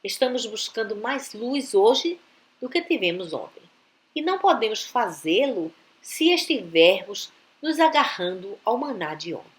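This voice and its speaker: A woman giving a calm, deliberate reading of a spiritual text, with long pauses between phrases. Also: mid-range voice. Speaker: reader of spiritual teachings.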